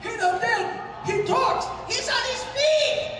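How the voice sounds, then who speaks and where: A man acting a wary, excitable tribal king in a 1930s-style pulp radio drama. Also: very high voice, takes it slowly. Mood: awed, alarmed. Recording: noisy, very echoey, distant hall.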